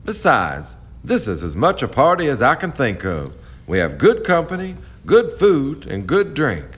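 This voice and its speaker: An actor playing a confident, charming, proud riverboat captain in a radio drama, smooth-talking and self-assured. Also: male voice, medium pitch, wildly swooping pitch, unhurried, fairly bright tone, heavily acted. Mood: genial, courtly. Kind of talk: stage-like radio drama acting.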